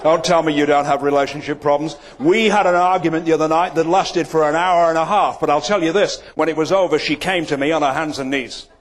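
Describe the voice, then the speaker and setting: A man's voice: a little high, steady tone, a little fast, hardly any pauses. Dry-witted Mancunian man joking on stage. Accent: Manchester English. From England. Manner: dry, self-deprecating comic delivery. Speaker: keynote speaker. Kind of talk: comic keynote speech to a live audience. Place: event venue before a live audience.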